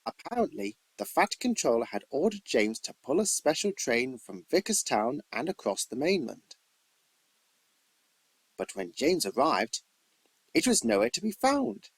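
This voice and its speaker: Expressive, slightly high-voiced male storybook narrator. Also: measured pace, breathy edge, dry recording, low-quality recording. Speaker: amateur narrator.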